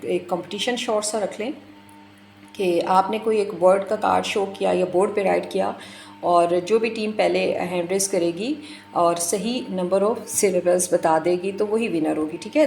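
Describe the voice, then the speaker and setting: A woman recording a lesson for primary teachers, repeating each word slowly and mixing English with Urdu. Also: mid-range voice, gravelly, a little mellow. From Pakistan. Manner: slow and deliberate, repeats words and mixes English with Urdu.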